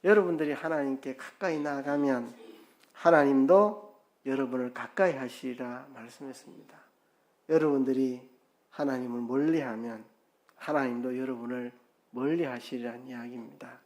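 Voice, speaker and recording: A man preaching a midweek church sermon, earnest, with his voice dropping softer at the ends of phrases. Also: mid-range voice, fairly even intonation, normal speed. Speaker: pastor.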